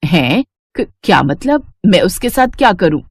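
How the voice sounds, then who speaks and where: A woman's voice: fairly low pitch, very animated, unhurried, breathy edge, dry recording, full character voice. A woman playing a scheming, greedy middle-aged stepmother in a fairy tale, with a sly, scolding, condescending manner. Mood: sly, coaxing. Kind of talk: acted dialogue in a Hindi audio fairy tale.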